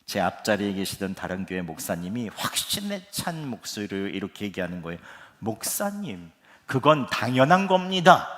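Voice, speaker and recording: A middle-aged man preaching a sermon as pastor, telling stories vividly and acting out the people he quotes. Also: on the low side. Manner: animated storytelling that acts out quoted speech. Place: church sanctuary. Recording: long reverb of a church hall.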